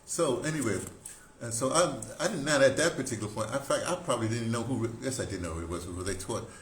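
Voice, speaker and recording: A man in his seventies telling stories informally, in a halting, digressive way with emphatic stresses. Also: medium pitch. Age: 70s. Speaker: audio dramatist recounting theater history. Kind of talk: informal rambling storytelling to camera. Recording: roomy echo, background noise.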